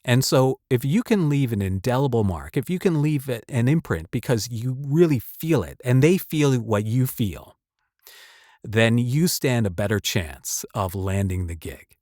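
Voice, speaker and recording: A man with an average-pitched voice gives advice in the relaxed phrasing of an informal chat. He rambles and circles back, leaning emphatically on key words. The sound is close and dry, with hardly any room in it. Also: a little slow, no room sound. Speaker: voice actor giving advice. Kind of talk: casual advice talk to camera or mic.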